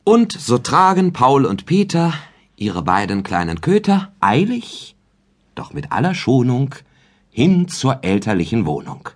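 A man recites a comic rhyming tale for an audiobook, his husky voice rising and falling in wide, lively swoops. He takes an unhurried, measured pace and keeps a sing-song verse rhythm throughout. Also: mid-range voice. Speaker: audiobook narrator.

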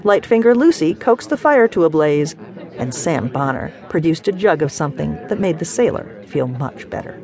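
A woman narrating a novel as an audiobook, measured and expressive. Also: sits low. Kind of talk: scripted narration.

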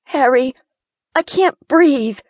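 A woman voicing a feisty young city woman who is claustrophobic and quick to panic. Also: medium pitch, sing-song, no room sound, pitched above the performer's own voice, lightly acted. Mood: nervous, sassy. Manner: jumpy, sassy, quick to panic.

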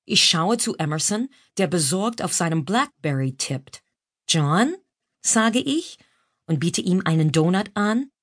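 American lady reading her own funny memoir, lowish voice, german with a us accent, tosses in english bits. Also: a little slow. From United States. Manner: expressive, drops English phrases into German. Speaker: author narrating her own audiobook. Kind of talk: humorous memoir narration.

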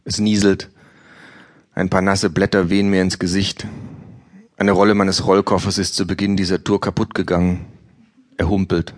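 A man reading his own comedic book aloud live on stage, with a dry, deadpan delivery. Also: low-pitched. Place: stage before an audience.

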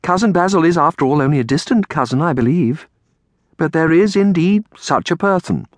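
A gentle, sorrowful aunt, played by a male narrator, raised well up in pitch, speaking tenderly and hesitantly as in a children's storybook. The delivery is expressive and the sound is dry. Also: a little fast, no room sound, natural voice. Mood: gently reassuring. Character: tender, sorrowful, reassuring grown woman, a devoted aunt.

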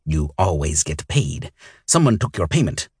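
A gruff old lizard alien arms dealer hisses his words out slowly and grudgingly, as a man puts him on. The voice is deep and very husky, dry and close in a storybook reading. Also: big pitch swings, darkish tone, no room sound, heavily acted. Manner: hissing, slow and grudging.

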